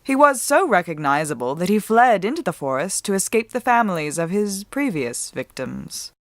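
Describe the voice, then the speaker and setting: A woman giving a dramatic, measured storybook narration, reading as an author with deliberate expression. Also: mid-range voice, very animated, no room sound.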